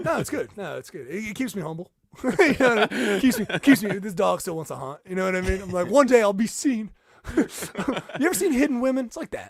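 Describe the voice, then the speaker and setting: Speaking at a very fast pace in a New Jersey accent, a man uses a high pitch with very wide pitch swings and big swings in loudness. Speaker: podcast host. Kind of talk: casual chat. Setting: studio. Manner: filler-heavy, repetitive.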